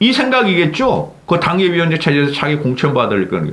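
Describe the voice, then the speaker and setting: Audible room echo surrounds a man with a Gyeongsang accent and a fairly high pitch who speaks at a moderate pace with very wide pitch swings. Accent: Gyeongsang intonation. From Gyeongsang region, South Korea. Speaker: political commentary YouTuber. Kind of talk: political commentary monologue. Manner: animated, frequent interjections.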